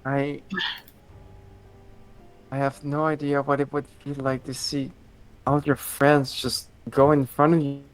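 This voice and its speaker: A man's voice: mid-range voice, completely flat delivery, measured pace, long pauses, faint music behind, poor audio. Man on a voice call that keeps cutting out. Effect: online voice call audio cutting out in dropouts. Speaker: player. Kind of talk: casual tabletop game chat. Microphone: voice chat microphone.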